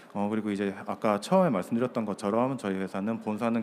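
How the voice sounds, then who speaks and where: A man's voice at medium pitch. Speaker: company recruiter presenting at job fair. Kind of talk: presentation to audience. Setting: in-person job fair hall. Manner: fast; formal, polite.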